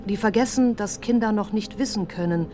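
A woman's voice: medium pitch, fairly quick, noisy background, lightly acted. A woman playing the grieving, bitter child of Holocaust survivors in a literary radio play, speaking in grave fragments. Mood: sorrowful. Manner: fragmented short phrases, grave delivery. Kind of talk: literary radio drama monologue. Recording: music behind the voice.

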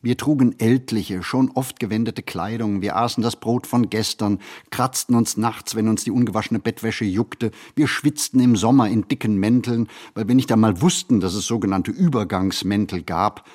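An actor playing a reflective ageing writer in a literary radio play monologue, phrasing in a measured, deliberate way. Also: male voice, lowish voice, darkish tone. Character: reflective ageing male writer recalling a poor childhood.

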